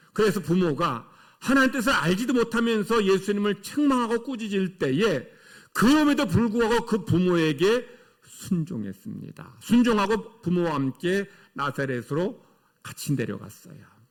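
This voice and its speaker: A man's voice: high voice, sing-song, moderate pace. A middle-aged male pastor preaching a sermon in church, emphatic, with rhetorical questions to the congregation. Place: church sanctuary.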